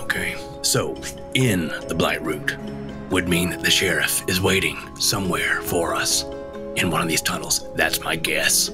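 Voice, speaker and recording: A man playing an earnest investigator in a fantasy role-play game, explaining in a deliberate, halting way. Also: sits low, music in the background. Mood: earnest, portentous. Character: earnest deep-voiced male investigator in fantasy party. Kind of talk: in-character tabletop role-play.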